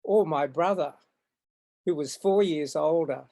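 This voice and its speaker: A man in his seventies from Far North Queensland with an Australian accent, telling stories from his life in a hesitant, halting way over a video call from home. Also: on the high side, dark tone. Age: 70s. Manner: hesitant, halting, with frequent ums and restarts. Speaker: guest artist. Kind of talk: reflective storytelling in an interview.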